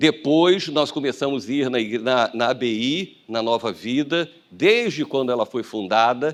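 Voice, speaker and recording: A man's unremarkable speaking voice at a medium pitch, fairly slow yet with hardly any pauses, ordinary pitch variation, and a quiet background. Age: 60s. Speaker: pastor. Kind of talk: sermon. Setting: church.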